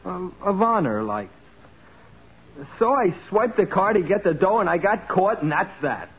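An actor playing a defiant young delinquent with slangy streetwise diction in a 1940s radio crime drama. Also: male voice, sits high, big pitch swings, a little slow, breathy edge, full character voice. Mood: defiant, bitter. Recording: dull, noisy 1940s radio recording.

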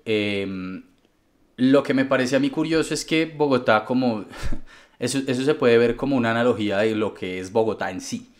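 A man with a Colombian accent, a DJ guest telling stories in a casual, relaxed interview with many fillers. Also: medium pitch, moderate pace. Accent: Colombian Spanish. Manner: relaxed storytelling with frequent fillers.

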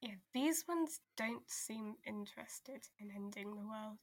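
A woman's voice: medium pitch, a little slow, dry recording. A woman playing an exasperated but caring investigator in an audio drama, blunt yet hesitant when earnest. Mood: measured, reporting. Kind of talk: audio drama table read.

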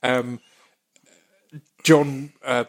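A man's voice: mid-range voice, flat delivery, extremely slow. A man with an Essex accent chatting casually as a podcast host, often repeating words as he gets his thoughts out. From Essex, England. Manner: stammering repetition of words as he talks.

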